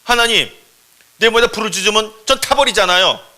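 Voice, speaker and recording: Brief: man doing a loud, high, eager thornbush in a church story. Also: a little fast. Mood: excited. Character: eager talking thornbush, small and helpful.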